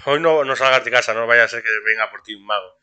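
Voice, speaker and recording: A man's voice: medium pitch, quick pace, bright, forceful tone, smooth. A young man streaming a game live, complaining and swearing about his bad luck, repeating himself and ending lines with "tío". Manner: frustrated, complaining, swears a lot. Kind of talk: live gameplay commentary.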